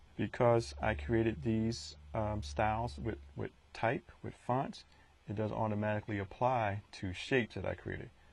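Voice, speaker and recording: A somewhat breathy man at a moderate pace, with lively intonation. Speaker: software tutorial instructor. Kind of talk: tutorial. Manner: casual, with fillers.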